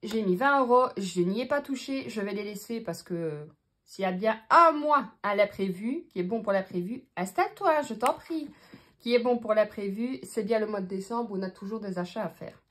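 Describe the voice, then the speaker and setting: An expressive woman with a Belgian French accent chats casually to her viewers as a budgeting vlogger, counting out her budget at a moderate pace and medium pitch. She thinks aloud on camera, leaning on plenty of fillers.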